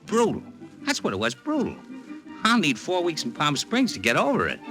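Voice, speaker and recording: A brash, slangy Hollywood agent. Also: male voice, high-pitched, wildly swooping pitch, normal speed, exaggerated voice. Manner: brash slangy patter, calls listener doll. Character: fast-talking male Hollywood talent agent, brash. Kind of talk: 1940s radio acting. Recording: old radio transcription with music.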